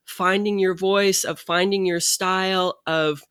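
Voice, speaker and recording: A middle-aged woman hosting a relaxed chat, with a voice of ordinary pitch recorded close and dry. She talks in long, reflective stretches and laughs easily. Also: measured pace, smooth, no echo. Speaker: podcast host, yoga teacher. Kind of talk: casual conversation.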